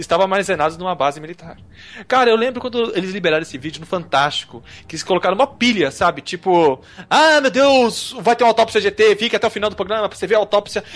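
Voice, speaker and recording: A man's high-pitched, very fast delivery, with lively intonation and big swings in loudness. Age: 30s. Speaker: YouTuber co-host. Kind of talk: casual chat; reading aloud.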